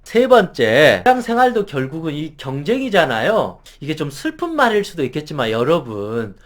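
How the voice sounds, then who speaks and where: A man's voice: fairly high pitch, huge pitch swings, normal speed. Emphatic middle-aged male lecturer. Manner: earnest, emphatic, acts out example phrases. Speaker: counselor and lecturer. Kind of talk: advice lecture to camera.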